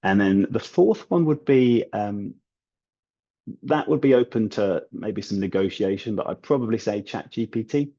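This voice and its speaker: A man with a very deep, husky voice chats easily as an interview guest, often pausing on "um" and restarting his sentences. His audio sounds dull and lo-fi, like a remote call. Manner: relaxed, laughing, many restarts and ums. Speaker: guest, language learning YouTuber. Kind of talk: casual interview chat.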